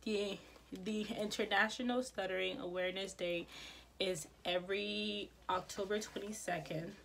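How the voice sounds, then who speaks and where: A woman's voice: medium pitch, fairly even intonation, normal speed, vocal fry, slight background noise, low-quality recording. A woman vlogger who stutters, repeating sounds and words, talking casually to camera with many fillers. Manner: many fillers, soft-spoken.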